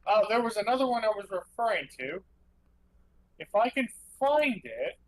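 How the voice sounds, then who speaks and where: A man's voice: high voice, sing-song, normal speed, poor audio. A man talking casually in a conversation. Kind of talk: casual chat.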